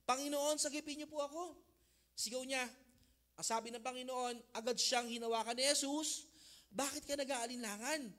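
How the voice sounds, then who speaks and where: A male pastor preaching a sermon, swinging between loud emphasis and hushed intensity, often checking that listeners follow. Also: very high voice. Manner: mixes Tagalog and English phrases.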